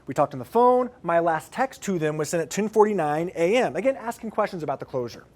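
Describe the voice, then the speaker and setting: An American man reporting television news in a fairly high-pitched voice. He reads in a scripted investigative style, presenting facts and putting questions. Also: lively intonation, fast talker, a little mellow. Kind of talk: scripted news narration and interviewing.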